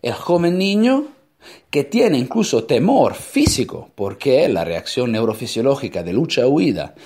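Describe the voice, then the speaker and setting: A man's voice: mid-range voice, sing-song, a little slow, warm tone. A man with an Italian accent, a native Italian speaker, giving an emphatic motivational talk full of rhetorical questions.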